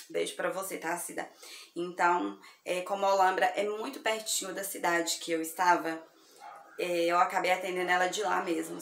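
A woman from Brazil selling thrift clothes online, chatty and effusive, her voice slightly hoarse from sleepiness. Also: on the low side. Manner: chatty, effusive, addresses viewers as girls. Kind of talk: casual product showcase. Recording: echoey room with faint ambient noise.

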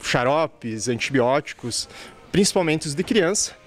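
A man in his thirties with a slightly high voice answers a reporter's questions on a pharmacy floor. He explains things patiently, speaks into a handheld mic and keeps checking in with short tag questions. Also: animated, measured pace, soft background music. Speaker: pharmacy representative interviewed. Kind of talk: news interview answer. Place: pharmacy shop floor, indoors.

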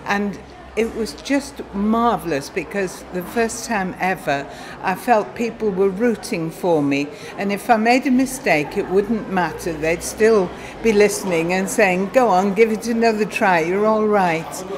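An older woman telling a personal story in a big, clear voice. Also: mid-range voice, measured pace, few pauses, background noise. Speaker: churchgoer. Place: church hall.

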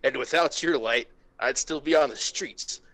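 A man voicing a hurt, bitter adult male fox, pleading with halting intensity in an amateur comic reading. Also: medium pitch, fairly bright tone, natural voice, poor audio. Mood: earnest, wounded.

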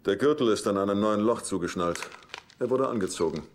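Sitcom dub: male actor as a dry, matter-of-fact investigator, lowish voice, slight background noise. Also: brisk, natural voice. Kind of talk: German-dubbed sitcom acting.

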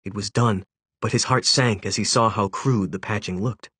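A man narrating a children's novel aloud in a measured, gently dramatic way. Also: lowish voice, slightly rough, no echo. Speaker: audiobook narrator. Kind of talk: scripted storybook narration.

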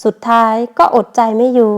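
A woman narrating a romance novel as an audiobook, in a measured, even storytelling manner.

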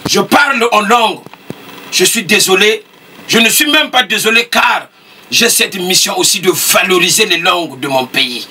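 A middle-aged man from the Republic of the Congo with a Congolese French accent, delivering a grandiose, flamboyant monologue to camera, mixing French and Congolese languages and breaking into shouts. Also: high-pitched, expressive, normal speed, a little hiss or hum. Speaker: singer and sapeur. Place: recording studio control room, indoors. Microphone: distant camera mic. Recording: distant mic with music underneath.

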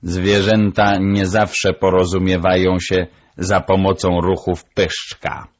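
A man voicing a proud, lecturing female parrot with a shrill voice, in a storybook audiobook. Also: level tone, slow pace, lo-fi sound.

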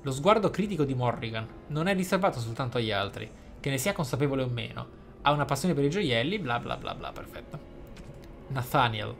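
A man's voice: mid-range voice, lively intonation, fairly quick, vocal fry, fairly bright tone, slight background noise. A man, a gaming host reading in-game text aloud expressively, with casual, playful asides.

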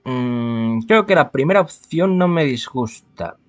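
A man's voice: mid-range voice, expressive, takes it slowly, muffled recording. A man from reads a visual novel aloud, adding casual, wry commentary as he goes. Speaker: gaming streamer.

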